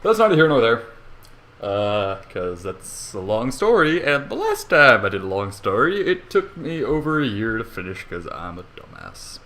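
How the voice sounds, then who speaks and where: Animated, irreverent young man reading aloud. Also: mid-range voice, normal speed. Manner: irreverent, sweary, self-deprecating. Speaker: amateur story reader. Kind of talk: casual fan fiction reading with rambling asides. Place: bedroom at home.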